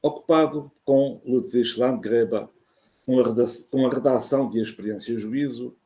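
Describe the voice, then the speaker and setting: A man with a soft, mellow voice of medium pitch and a European Portuguese accent. He speaks as a professor giving an academic lecture on a video call, in a formal, careful and measured manner. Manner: measured, careful, formal delivery with hesitations when speaking off text. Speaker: university professor, guest lecturer. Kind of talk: academic lecture read from a prepared text. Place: remote talk over video call.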